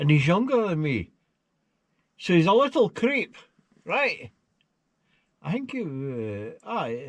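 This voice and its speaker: In a south-west Scottish accent, a man talks at a very slow pace with a high pitch, very wide pitch swings, and long, frequent pauses. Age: 70s. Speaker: camping vlogger. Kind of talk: casual monologue to camera. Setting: outdoors, camping by the beach.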